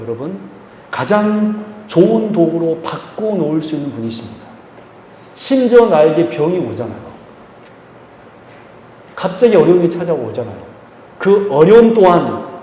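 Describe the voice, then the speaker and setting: Korean pastor preaching in echoey hall. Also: male voice, high-pitched, mellow, a little hiss or hum. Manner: emphatic preaching with slow stressed phrases, leading the congregation. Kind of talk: sermon. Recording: echoey church hall, faint ambience.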